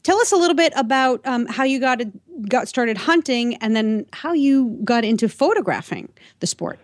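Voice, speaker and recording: A woman's voice: a little high, expressive, normal speed, dry recording, clean studio sound. A woman hosting a radio interview in a chatty, gushing, enthusiastic way. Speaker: radio show host.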